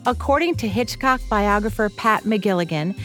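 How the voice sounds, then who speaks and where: An American woman reads scripted podcast narration as a co-host. Her voice is mid-pitched, with faint music behind it. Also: expressive, normal speed, fairly bright tone.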